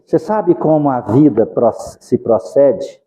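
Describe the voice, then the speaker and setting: A man's voice: medium pitch, lively intonation, takes it slowly, mellow. A man giving a religious lecture, preachy and asking the audience questions. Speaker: spiritist lecturer. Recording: dull lo-fi recording.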